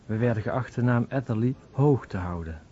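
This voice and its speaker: Mellow male voice-over reader. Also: medium pitch, expressive, moderate pace, highs cut off. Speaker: voice-over translator. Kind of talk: scripted voice-over translation.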